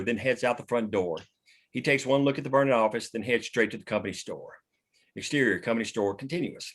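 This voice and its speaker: A man's voice: mid-range voice, fairly bright tone, slightly rough. A man narrating stage directions from a screenplay at a table read.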